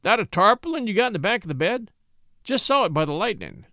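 Brash rural lawman for an audiobook, insistent questioner, animated, higher register male narrator acting. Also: quick pace, no room sound, clean studio sound, exaggerated voice. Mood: nosy. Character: brash, nosy rural deputy hunting a fugitive.

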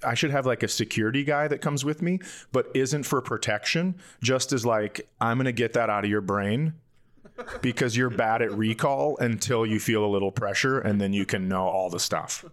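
A man's voice: medium pitch, normal speed. Male podcast host, mid-range voice, casual comedic chat, anecdotal storytelling, crude joking.

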